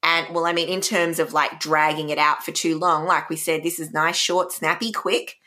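A woman's voice: deep voice, level tone, moderate pace, sharp tone. A woman in casual review chat as a radio co-host, thinking aloud informally. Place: radio studio.

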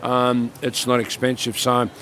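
An older man, a market produce seller in casual radio chat, his voice croaky from a cough, plainspoken and practical. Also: medium pitch, monotone, a little slow, a bit bright, slight background noise.

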